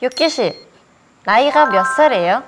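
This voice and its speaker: A woman's voice: a little high, a little slow, background noise. A woman in her twenties, a language student, answering carefully in class practice. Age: 20s. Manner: careful, steady learner speech.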